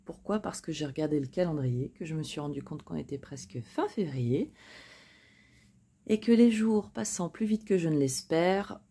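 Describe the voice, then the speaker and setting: A woman with a low, mellow voice, lively intonation and a breathy edge chats at a normal pace while laying out tarot cards for her viewers. She's a tarot reader giving a casual spoken reading, hesitating often, leaning on fillers, and joking at her own expense.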